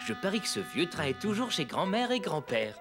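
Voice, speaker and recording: A man's voice: a little high, sing-song, a little fast. A man voicing a friendly, patient young father in a children's cartoon, with music behind him. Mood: warm, playful.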